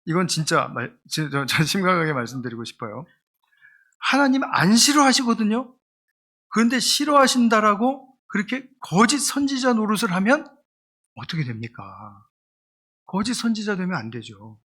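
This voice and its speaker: Male pastor, conversational sermon, bright forceful tone, slightly high voice. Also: very animated, normal speed. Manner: conversational, acts out parents' scolding lines.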